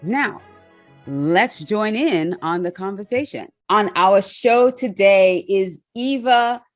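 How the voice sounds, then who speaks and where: A woman's voice: medium pitch, lively intonation, slow pace, faint music behind. A woman from Trinidad with a Trinidadian accent, hosting a podcast interview with enthusiastic, emphatic delivery. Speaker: podcast host.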